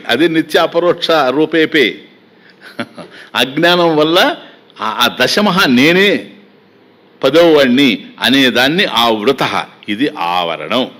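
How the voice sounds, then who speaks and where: A man teaching a spiritual discourse, chanting verses slowly and then explaining them in a conversational way, speaking directly to his listeners. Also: fairly high pitch, a bit bright. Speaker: Vedanta teacher.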